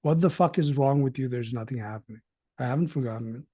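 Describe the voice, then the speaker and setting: A man's voice: mid-range voice, fast talker, dark tone, husky, no room sound, studio quality. A man hosting a group video call from his dining table, talking bluntly and swearing freely. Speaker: host.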